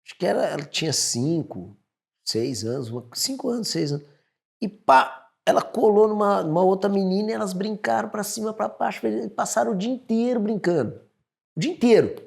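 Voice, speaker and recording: A man with a Brazilian Portuguese accent hosting a casual chat, talking in a relaxed, slangy way. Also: high-pitched, a little fast, gravelly, breathy edge. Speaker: podcast host.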